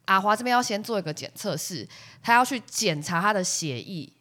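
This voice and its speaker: Taiwanese mandarin woman on a chat podcast, talks fast, voice jumps all over, acts out everyone in her story. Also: mid-range voice. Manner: animated, acts out the other people in her stories; drops in English words. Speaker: podcast co-host.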